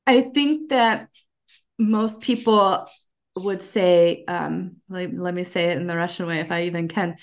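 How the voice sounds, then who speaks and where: A woman with an American accent chatting casually as a podcast guest, telling personal stories in an animated way. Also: on the low side, unhurried. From United States. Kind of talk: casual conversational storytelling.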